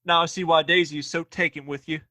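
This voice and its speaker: A cocky young frontier lawman, played by a man, pitched high for a male voice. He taunts in folksy Western talk with a bright, forceful edge, recorded close and dry. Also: little pitch movement, fast, no echo. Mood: taunting. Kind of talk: audio play Western acting.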